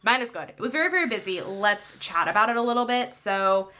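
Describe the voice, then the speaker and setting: A young woman vlogger chatting casually while crafting, rambling with many fillers and frequent laughs, her voice slightly hoarse. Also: mid-range voice, lively intonation, fairly quick, sharp tone, slight background noise.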